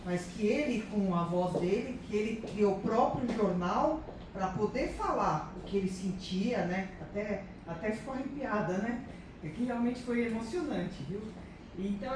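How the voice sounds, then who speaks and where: A woman giving reflective remarks in a group meeting, often adding tag questions. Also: a little high. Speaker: reading circle participant. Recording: echoey room from far off, noisy.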